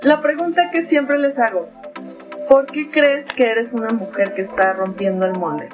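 A woman hosting an interview, playful and teasing in her quick reactions. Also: a little high. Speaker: host. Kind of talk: casual interview chat. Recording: clear music playing behind.

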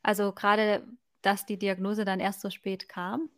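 A woman's voice: mid-range voice, little pitch movement, unhurried. A woman hosts a casual podcast in an ordinary middle register. She keeps things light and friendly, laughs readily, and affirms her guest as she asks her questions. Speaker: podcast host.

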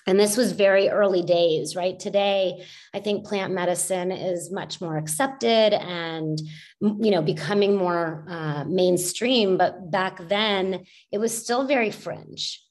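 A woman's voice: medium pitch, slow. A middle-aged woman telling her own story as a guest on a podcast, in a reflective way, with many fillers and restarts. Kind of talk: casual storytelling in a podcast interview.

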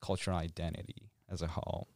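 Deep-voiced young man, reflective talk. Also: fast talker, vocal fry, no echo, clean studio sound. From Korea. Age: 20s. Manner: relaxed, reflective, with hesitations and laughs. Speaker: podcast co-host. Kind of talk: casual conversational podcast.

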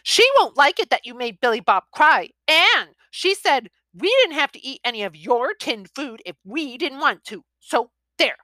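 A woman voicing a sulky, bossy young girl dragon in a storybook reading, with a high, pert, childish delivery. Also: animated, moderate pace, hardly any pauses, pushed and bright, no echo. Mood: sulky sassy. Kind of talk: storybook read-aloud.

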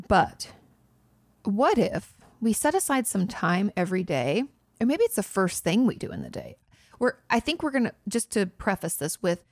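A woman giving casual, explanatory advice as a therapist host, speaking directly to the listener in a conversational way with animated emphasis. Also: mid-range voice, vocal fry, no room sound, studio quality. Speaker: therapist host answering viewer questions. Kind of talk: casual explanatory advice, reading questions aloud.

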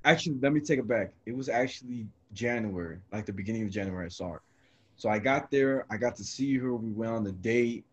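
A man hosting a casual chat, talking in a relaxed, slangy way and telling stories. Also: on the low side, fast, breathy edge. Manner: slangy and laid-back, full of "bro" and "you know what I'm saying". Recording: lo-fi, slightly dull sound.

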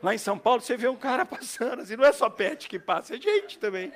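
Middle-aged Brazilian pastor, male, preaching with a high-set, expressive voice, swinging from loud to hushed. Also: quick pace. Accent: Brazilian Portuguese. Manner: lively storytelling, swings between loud and hushed. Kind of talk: storytelling sermon.

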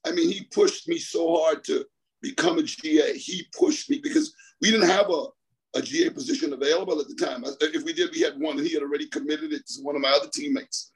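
Husky-voiced man from the Bahamas. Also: on the high side, expressive, fast talker, low-quality recording. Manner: rambling, repeats words, laughs often. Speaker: track coach. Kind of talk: storytelling interview on a call. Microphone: phone.

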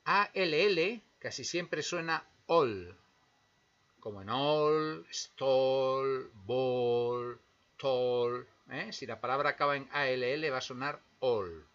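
A man's voice: a little high, expressive, bright, forceful tone. A man teaching English pronunciation, patiently repeating example words and checking in with the listener. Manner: patient, repeats words slowly with tag questions. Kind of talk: explanatory lesson. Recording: dull lo-fi sound.

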